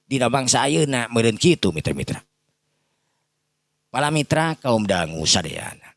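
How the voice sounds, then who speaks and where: A man's voice: mid-range voice, very animated, moderate pace, creaky, no room sound, clean studio sound. A man with a Sundanese accent telling a folk tale informally, rambling and repeating himself as he addresses his listeners. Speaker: storyteller.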